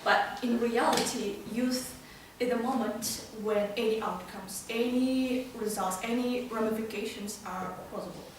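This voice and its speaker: A woman's voice: on the high side, fairly even intonation, unhurried. A woman giving a prepared amateur speech at a club, hesitating and often restarting her phrases. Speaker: club speaker. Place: meeting room, recorded from a distance. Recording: very echoey room, distant mic, faint noise.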